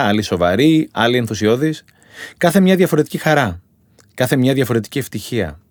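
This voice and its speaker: A man's voice: medium pitch, no echo, clean studio sound. A man reading his own short personal stories aloud in a wry, reflective way.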